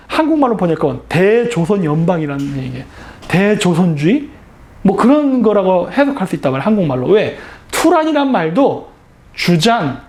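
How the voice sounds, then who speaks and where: A man's voice: sits high, darkish tone. A man giving a history lecture, explaining with emphasis and often asking rhetorical questions he answers himself.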